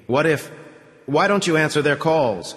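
A man's voice: a little high, animated, measured pace, fairly bright tone, pitched above the performer's own voice. A man voicing an agitated old man. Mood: urgent. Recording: long reverb.

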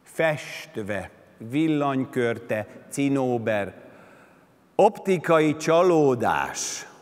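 A man's voice: mid-range voice, very animated, close to an everyday voice. A man voicing a mocking male vulture that talks in a dry, sardonic way, in a reverberant concert hall. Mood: dryly clinical. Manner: sardonic, matter-of-fact.

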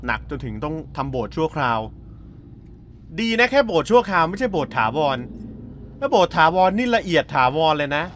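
A man giving excitable, joking, casual commentary as he plays a horror game, full of exclamations. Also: fairly high pitch, a little fast, slight background noise. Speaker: gaming host. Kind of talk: casual let's-play commentary.

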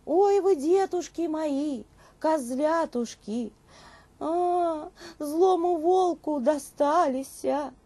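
A woman voicing a loving mother goat from a fairy tale in a singsong, drawn-out call. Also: sits high, warm tone, dry recording, pitched above the performer's own voice. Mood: grieving wail.

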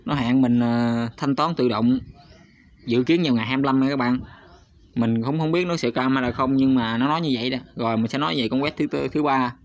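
A man's voice: medium pitch, a little fast. A man hosting his channel, talking viewers through a screen recording in a chatty, hesitant way, with frequent fillers and constant asides to the audience. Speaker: YouTube channel host. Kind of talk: casual screen-recorded walkthrough. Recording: slightly dull lo-fi sound.

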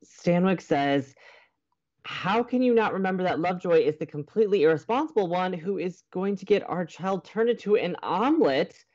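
A fretful young college radio co-host played by an actor in a romantic comedy podcast. The delivery is exasperated and melodramatic, with very mobile pitch. The sound is slightly dull. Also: expressive, moderate pace, darkish tone, lightly acted. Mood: dry, uneasy. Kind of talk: romantic comedy audio drama dialogue.

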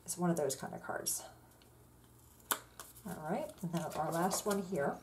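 In a casual crafting demonstration, a woman speaks a little slowly in a lowish voice, chatting through each card-making step with fillers. She sits indoors at a craft table, only her hands visible from an overhead camera, with a noisy background.

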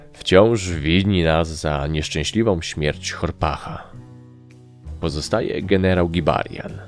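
A man's voice: extremely low pitch, vocal fry, heavily acted. A man voicing a nervous, gloomy army captain in an audiobook, speaking in a sad, weary tone.

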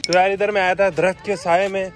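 A man's voice: high voice, flat delivery, fairly quick, soft background music. A man vlogging casually outdoors, playfully teasing and coaxing children as he chats to the camera. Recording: noisy outdoor camera audio.

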